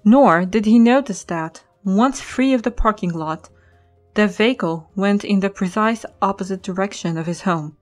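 A woman's voice: medium pitch, normal speed. A woman reading scripted story narration as the narrator of an audio drama. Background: music.

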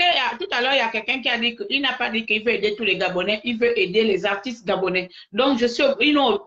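A woman's voice: on the high side, a bit bright. Woman insisting over a dull line. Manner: quick to agree, then insistent on her point. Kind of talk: casual debate over a video call. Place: indoors, plain room. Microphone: phone camera held close.

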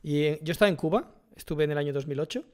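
A man's voice: fairly high pitch, very fast. A young man with a Spanish accent from Spain, streaming casual reaction commentary from a headset at home, interrupting with muttered asides and emphatic bursts. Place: small room at home.

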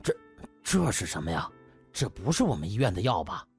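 A man's voice: on the low side, sing-song, brisk, slightly rough, soft background music, voice pushed down, full character voice. A man voicing a worried, easily outraged older hospital director who questions things, in an audiobook. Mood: surprised.

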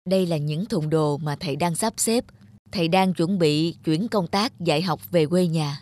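A man's voice: a little high, normal speed, a little mellow, dry recording, lightly acted. A man voicing a strict but caring middle-aged schoolteacher in a children's cartoon, firm and instructive. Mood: kindly, reassuring.

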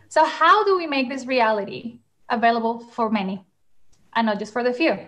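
A young woman hosting a panel over a video call, upbeat and enthusiastic, with frequent fillers. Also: a little high. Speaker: panel moderator. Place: home room, in England.

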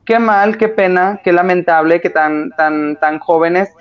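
A man's voice: high-pitched, flat delivery, measured pace, clear, resonant tone, lo-fi sound. A man co-hosting a gossip commentary show, scornful and disappointed. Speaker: co-host.

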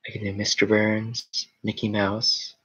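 This teen livestream host, wearing a headset in a small green-backdrop room, reads his chat aloud, chatty and rambling as he responds to comments. He speaks in a lowish, husky monotone at a measured pace, with a fairly bright tone and the highs cut off.

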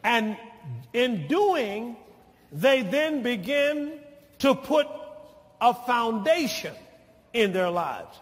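An older man preaching a sermon as pastor, teaching slowly and deliberately, then building to shouted lines and calls for amen. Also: very high-pitched, very animated. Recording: long hall reverb of a church.

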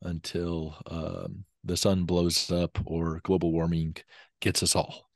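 A man's voice: sits low, little pitch movement, gravelly, no room sound, clean studio sound. A young man with a lingering cough, a guest scholar explaining views step by step over a video call from a home study. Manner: measured, explains in steps with frequent ums. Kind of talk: explanatory interview talk. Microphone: video call with a desk mic.

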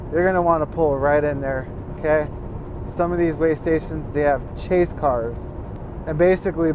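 Young male trucker, a touch high-pitched, earnest advice, filmed in a moving cab with clear road noise. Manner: earnest, repeats advice, addresses viewers as guys. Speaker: truck driver giving tips. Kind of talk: casual advice vlog. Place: inside a semi-truck cab while driving. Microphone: fixed dash camera. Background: road and engine noise.

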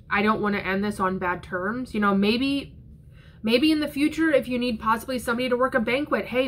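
A woman's voice: medium pitch, fairly bright tone, a little hiss or hum. Chatty, blunt young woman vlogging. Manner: chatty and blunt, swears freely, many fillers. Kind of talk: casual storytime vlog. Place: living room at home, indoors.

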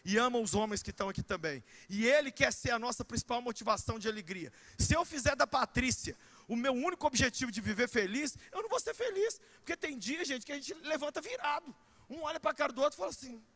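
High, bright shouting Brazilian pastor. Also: male voice, fast talker. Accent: Brazilian Portuguese. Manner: animated, shouting preacher with comic asides. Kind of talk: sermon. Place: church.

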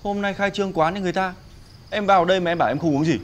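A man's voice: high-pitched, rapid-fire, a little hiss or hum, natural voice. An actor playing a cheeky, offhand young man from the village in a TV drama. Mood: coaxing. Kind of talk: TV drama acting.

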